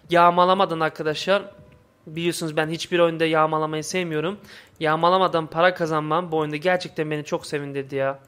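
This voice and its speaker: Higher-voiced man, game commentary in halting Turkish. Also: a bit bright, clear, resonant tone. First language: not Turkish, speaks imperfect Turkish. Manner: imperfect, halting Turkish with muddled word forms. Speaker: gaming video host. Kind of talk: casual let's play commentary.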